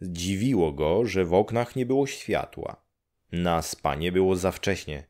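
A man narrating a classic story for an audiobook in a calm, measured storytelling manner. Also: deep voice.

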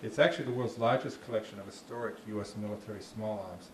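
This is an informal ranger talk with audience questions, delivered by a Boston-accented man on a handheld mic in a small, darkened meeting room with a slide screen. He speaks quickly in a lowish, steady voice, chatty and dry-witted, often restarting sentences. The sound is echoey with a faint background noise.

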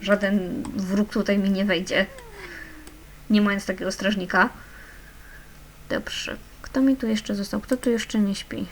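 A woman's voice: mid-range voice, steady tone, a little slow, pauses often, a little hiss or hum. A young woman hosting a gaming channel, chatting casually over her play and fondly coaxing the little characters along. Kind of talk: casual let's-play commentary.

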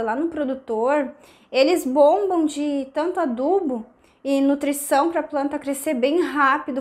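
A woman, hoarse from a cold, chatting to camera and explaining orchid care with hand gestures, on a lapel mic in a small indoor room. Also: sits high. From southern Brazil. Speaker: orchid-growing channel host. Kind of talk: casual tutorial talk to camera.

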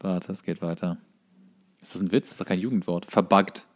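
A man's voice: sits low, steady tone, brisk. A man co-hosting in casual comedic banter, reading things out and reacting with mock exasperation and swearing. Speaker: podcast co-host reading out a list.

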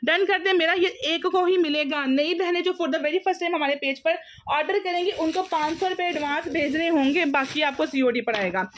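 Pakistani female live seller, high voice, overeager teleshopping pitch full of repeats and exclamations. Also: normal speed, few pauses. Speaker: live online clothing seller.

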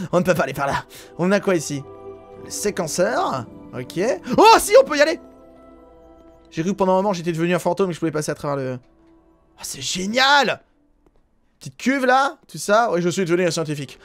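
French male let's-player, high voice, chatty and excitable, rambling casual commentary. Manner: chatty, excitable, thinks aloud with many fillers. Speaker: gaming YouTuber.

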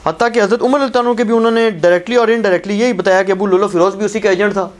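Male questioner, Pakistani Urdu accent, fast and high, polite and detailed. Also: steady tone. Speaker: questioner in audience. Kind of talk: asking a question at a lecture.

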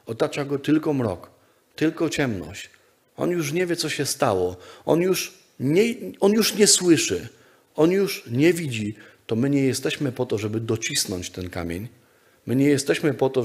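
Man, pastor, sermon, medium pitch, repeats key phrases, loud-soft swings. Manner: emphatic repetitive preaching, rising and dropping loudness.

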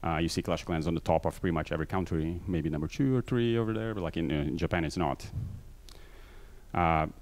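On a large conference stage, a low-voiced man with a darkish tone gives a talk into a handheld mic. His Brazilian Portuguese accent is mixed from living in many countries. He speaks quickly and loosely, full of fillers and self-deprecating asides.

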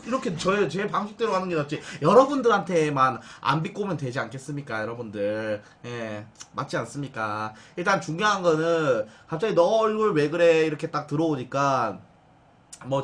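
A man hosting a casual livestream, talking loudly to his viewers, joking and ranting with sarcastic asides. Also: high voice. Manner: loud, jokey, addresses viewers and donors as big brother. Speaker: livestream host.

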